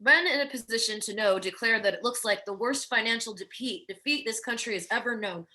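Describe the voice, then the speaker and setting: Bright-voiced woman reading stage directions. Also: a little high, a little fast, slight background noise. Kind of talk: scripted narration.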